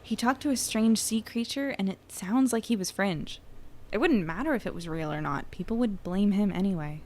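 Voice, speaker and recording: A woman's voice: medium pitch, normal speed, a little mellow, lightly acted. A woman playing a defiant, protective monster investigator, firm and assertive, in a naturalistic audio drama. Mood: indignant.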